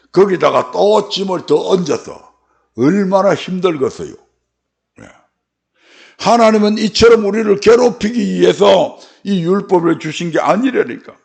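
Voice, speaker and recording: Gravelly Gyeongsang-accented pastor preaching. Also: male voice, high-pitched, lively intonation, measured pace. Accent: Gyeongsang dialect. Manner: folksy preaching, asks the congregation questions. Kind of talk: sermon. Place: church sanctuary.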